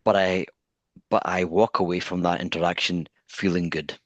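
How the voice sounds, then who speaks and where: Male interviewer, deep voice, frequent stutter, thoughtful delivery. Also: level tone, normal speed, no echo, muffled recording. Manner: stutters, with repeated words and blocked sounds; thoughtful, searching for words. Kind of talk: conversational interview.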